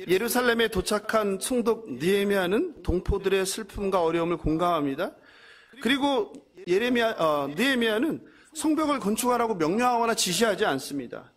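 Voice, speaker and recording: A man's voice: high voice, animated, brisk. A male pastor preaching a sermon, asking the congregation questions and answering them himself, and sometimes acting out the mocking voices of the enemies in the passage.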